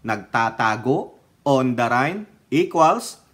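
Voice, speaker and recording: A man's voice: medium pitch, lively intonation, slow, a bit bright. A man with a Filipino accent giving casual political commentary on his own channel, mocking and laughing often, sometimes breaking into bits of song. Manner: mocking, laughs often, sings snatches of songs. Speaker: political vlogger.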